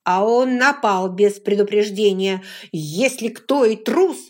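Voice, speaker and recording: A woman voicing an angry young man who speaks hoarsely and snarls, in an audiobook reading. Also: sits low, measured pace, a little mellow.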